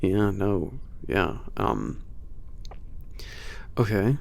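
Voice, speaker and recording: Casting: male actor as a sardonic werewolf spaceport trainer for ASMR roleplay, very creaky voice, unhurried, casual bantering delivery. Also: deep voice, sing-song, heavily acted. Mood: puzzled, concerned. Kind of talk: ASMR roleplay, naturalistic one-sided conversation.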